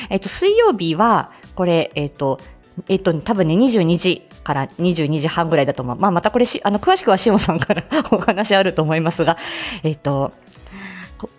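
A woman's voice: medium pitch, a little mellow. A woman hosting a casual live stream, chatting and laughing often as she reads viewer comments, with plenty of fillers. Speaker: live stream host and voice actor.

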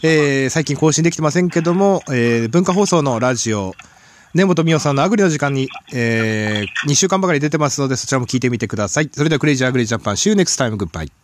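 An excitable man with an Ibaraki accent hosting a casual chat podcast, who jokes and repeats himself. He talks fast with a lively pitch, and noise can be heard in the background. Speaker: podcast host. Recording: noisy recording.

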